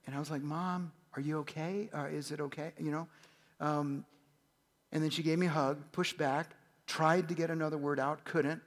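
A man's voice: on the high side, fairly even intonation, normal speed. A man in his fifties telling a family story to a church congregation in an earnest way. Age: 50s. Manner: earnest, with frequent uh fillers. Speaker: church guest speaker. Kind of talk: storytelling on stage. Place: large church auditorium. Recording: long hall reverb.

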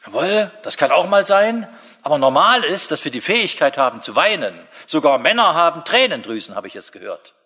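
A middle-aged man preaching a sermon in a lively, humorous way, speaking straight to his listeners. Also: a little high, a little fast, breathy edge. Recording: long hall reverb.

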